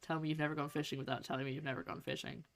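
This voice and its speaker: A woman's voice: sits low, level tone, racing, no echo. A woman streamer giving casual gameplay commentary with chatty, playful asides. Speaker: game streamer.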